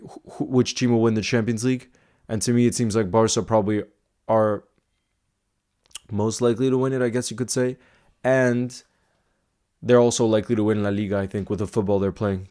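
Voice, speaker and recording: A man's voice: fairly low pitch, a little mellow. A man hosting a casual football live stream, answering viewer comments in a chatty, thinking-aloud way with small restarts.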